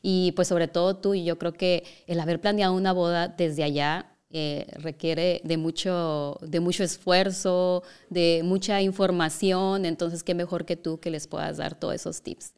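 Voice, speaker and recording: A woman's voice: lowish voice, steady tone, measured pace, hardly any pauses, darkish tone, smooth. A woman hosting a podcast, interviewing in a casual, chatty way with wordy, roundabout questions.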